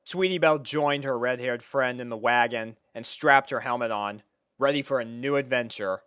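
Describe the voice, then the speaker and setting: A woman reading a scripted story aloud as an expressive narrator. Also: rumbling low, moderate pace, clear, resonant tone, no room sound, studio quality. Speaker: fan fiction reader, narrator.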